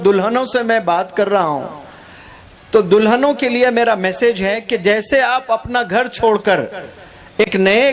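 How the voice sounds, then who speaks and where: A man giving a religious lecture on marriage, earnestly addressing brides and telling anecdotes. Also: extremely high pitch. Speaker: Islamic speaker.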